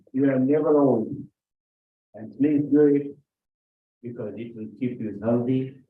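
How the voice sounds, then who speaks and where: There is audible room echo around this voice. It belongs to a man who is talking. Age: 70s. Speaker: audience member, doctor. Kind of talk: personal testimony.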